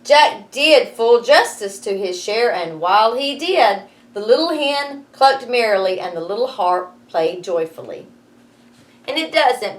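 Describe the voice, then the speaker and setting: A woman reads a storybook in a fairly high, very lively voice. She teaches as she goes, slipping in wry little asides to explain things. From United States. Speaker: schoolteacher reading aloud to students. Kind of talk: expressive storybook reading with asides.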